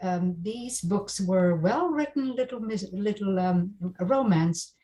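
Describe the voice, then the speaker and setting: A woman's voice: medium pitch, animated, takes it slowly, mellow. A woman from South Africa whose first language is Afrikaans, an audiobook narrator chatting as a guest over a video call, thoughtful with small restarts. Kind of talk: casual video call chat.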